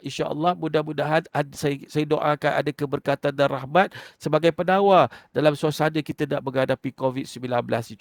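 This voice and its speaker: A man's voice: a little high, dry recording, studio quality. A man with a Malaysian Malay accent teaching online marketing step by step in a conversational way, with frequent fillers and self-corrections. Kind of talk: instructional talk.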